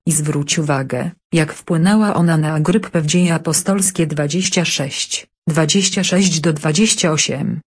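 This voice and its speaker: A woman reads scripture aloud in an even, measured way. Her voice sits low and has a husky edge. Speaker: scripture reader. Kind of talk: scripted Bible reading and study narration.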